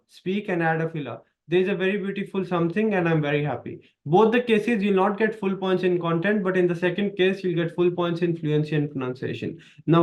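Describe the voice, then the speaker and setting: A man's voice: on the high side, highs cut off. A man in his thirties with an Indian accent, teaching exam speaking skills in an emphatic, repetitive coaching style. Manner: emphatic, repetitive coaching with lively hand gestures. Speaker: exam prep tutor. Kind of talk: instructional video lesson. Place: small dark studio, indoors.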